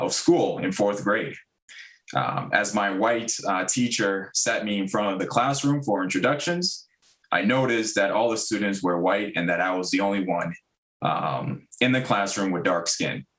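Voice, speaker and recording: A man's voice: fairly low pitch, a bit bright. A man in his thirties from Ghana, giving earnest prepared remarks at a public school meeting with frequent fillers. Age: 30s. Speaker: district diversity director.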